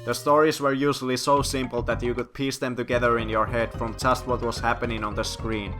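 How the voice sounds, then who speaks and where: A man's voice: mid-range voice, level tone, brisk, over music. A man, a gaming channel host telling a nostalgic story from his childhood with light self-deprecating humor. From Finland. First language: Finnish. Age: 20s. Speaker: gaming YouTuber. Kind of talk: story time vlog narration.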